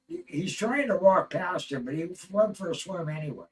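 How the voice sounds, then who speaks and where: A man's voice: high-pitched, sing-song, moderate pace, distant mic, a little hiss or hum. A man co-hosting a casual livestream, blunt and matter-of-fact, adding short remarks and corrections.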